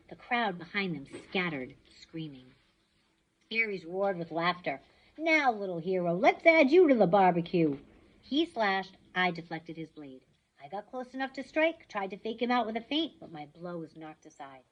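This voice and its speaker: A woman reading a novel aloud with expressive storytelling. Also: mid-range voice, lo-fi sound. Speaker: reader.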